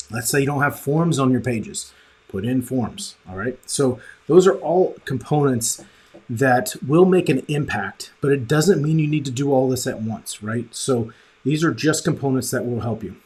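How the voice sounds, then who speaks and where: A man's voice: mid-range voice, darkish tone. A man presenting an informal instructional training as a coach, explaining step by step and often checking in with the listener. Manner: explanatory, checks in with "right?" and "okay?".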